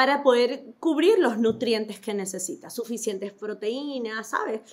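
Against a quiet background, a woman with a high voice speaks at a fairly slow pace with lively intonation. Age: 50s. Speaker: doctor; guest. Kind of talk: interview. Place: home room.

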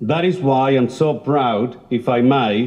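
This man has a Spanish accent. His pitch varies in an ordinary way. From Uruguay. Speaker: state politician. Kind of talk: parliamentary farewell speech. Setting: parliament chamber. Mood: proud, reflective. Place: hall. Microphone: podium.

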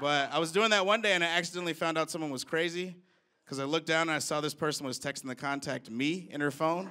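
A man with a fairly high pitch, ordinary pitch variation and a very fast pace. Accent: American. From Chicago. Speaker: stand-up comedian. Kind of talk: stand-up. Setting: stage with audience.

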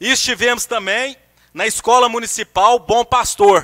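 A man's raised, projected voice, bright and sharp in tone, at a moderate pace over a quiet background. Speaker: city councillor. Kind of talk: political speech. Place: hall. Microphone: podium.

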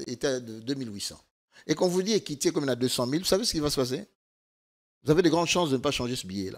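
Against a quiet background, a man with a fairly high pitch talks at a very fast pace, his pitch swinging very widely. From DR Congo, Kasai-Central (Kananga); Kasai-Central, DR Congo. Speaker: former presidential press adviser; guest. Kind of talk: political talk-show interview. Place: studio. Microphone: studio mic.

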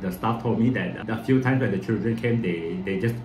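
A man talks with fairly even intonation over light background noise, with audible room echo. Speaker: vlogger. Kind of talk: casual vlog chat. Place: home room. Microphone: phone near.

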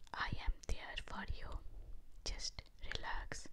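The speaker whispers, soft-spoken and very slow, beneath loud background noise. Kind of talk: playful narration while painting. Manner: soft soothing ASMR whisper.

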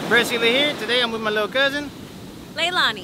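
A man talks at a very fast pace, his voice dry with no echo over noticeable background noise. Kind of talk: casual vlog chat. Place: beach.

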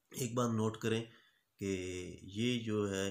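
A man is speaking. His pitch sits fairly low. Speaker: commentator. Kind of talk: opinion commentary to camera. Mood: earnest, advising. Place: home room. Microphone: lapel.

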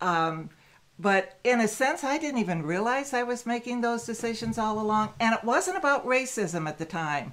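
At a moderate pace, a woman with an American accent speaks at a fairly high pitch, making very wide pitch swings. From US Midwest. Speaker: host's mother. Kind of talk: casual chat. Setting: live stream at home. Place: home room. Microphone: webcam.

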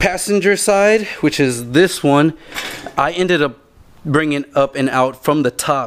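A man's speech carries ordinary pitch variation and moves at a moderate pace. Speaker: car enthusiast vlogger. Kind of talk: tutorial. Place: garage. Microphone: phone near.

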